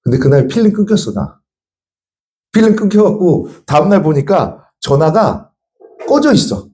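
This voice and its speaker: A man's voice: a little high, normal speed, slight background noise. A male teacher in his thirties telling students a personal story, acting out both sides of the dialogue. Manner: animated, acts out both sides of a quarrel. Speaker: social studies teacher.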